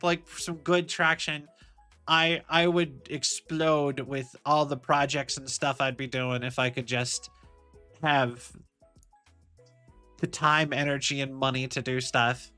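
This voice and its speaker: A man's voice: medium pitch, flat delivery, takes it slowly, sharp tone, clear, resonant tone, soft background music. A young man streaming as a VTuber, chatting casually and rambling, often circling back with "like I said". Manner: rambling, repeats "like I said".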